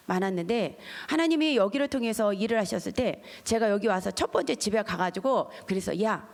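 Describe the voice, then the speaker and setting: A middle-aged woman, a pastor's wife, giving a lively testimony sermon at a church service and acting out the voices in her stories. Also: mid-range voice, vocal fry. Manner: animated storytelling, acting out quoted voices. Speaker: pastor's wife, guest speaker.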